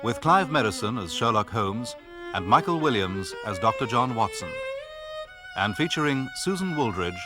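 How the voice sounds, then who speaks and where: A male announcer reading the credits of a radio drama in a measured, formal way. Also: medium pitch, very animated. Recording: violin music underneath.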